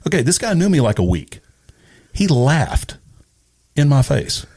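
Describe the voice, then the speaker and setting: A man's voice: a little high, big pitch swings, a little slow, darkish tone, breathy edge. A middle-aged man from East Texas chatting casually as a podcast guest, retelling stories with quoted dialogue. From East Texas, USA. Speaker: podcast guest, radio personality. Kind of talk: casual conversational storytelling.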